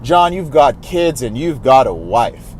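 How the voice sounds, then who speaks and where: A man's voice: medium pitch, expressive, measured pace, a little hiss or hum, poor audio. A man working as a recovery coach, giving earnest, direct advice to camera and calling his listeners brothers.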